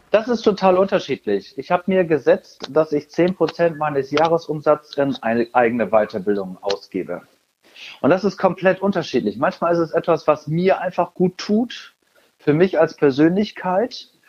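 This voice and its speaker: The sound is dry and close, with no echo. A man speaks at a high pitch and a moderate pace, using lively intonation. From northern Germany. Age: 40s. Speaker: sales trainer. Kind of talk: interview.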